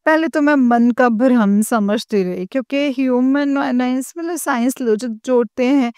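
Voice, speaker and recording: Slow-talking woman telling a dream story. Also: high-pitched, darkish tone, clean tone, dry recording, clean studio sound. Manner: storytelling, mixing English words into Hindi. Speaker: devotee sharing a dream experience. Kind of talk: personal testimony to a spiritual congregation.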